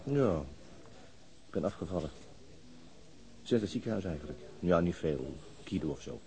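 A man's voice: deep voice, expressive, normal speed, dark tone, rough recording. An actor playing a subdued, hesitant, understated policeman in a Dutch radio crime drama. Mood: subdued, awkward. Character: subdued, hesitant male policeman back from hospital.

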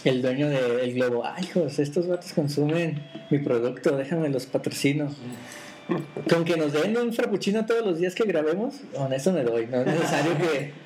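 A man with a Mexican Spanish accent hosting a casual podcast, relaxed and joking. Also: on the high side, noisy background. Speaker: podcast host.

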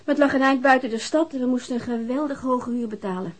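A woman's voice: high voice, fast. An actress playing a weary, defensive divorced mother, answering questions hesitantly in a naturalistic radio drama. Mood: defensive, aggrieved.

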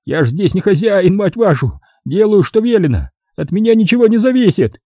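A greasy, cowardly caretaker, as a male narrator puts him on, squealing high and thin in an audiobook. His pleading bursts jump all over the place, and the recording is dry with no room sound. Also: big pitch swings, a little fast, mellow, dry recording, full character voice. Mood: panicky. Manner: shrill panicky pleading. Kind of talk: audiobook character voice.

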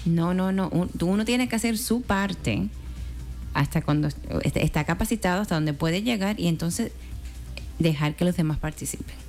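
Woman, slightly low voice, gentle advice, co-host, faint music behind. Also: moderate pace. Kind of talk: casual faith talk.

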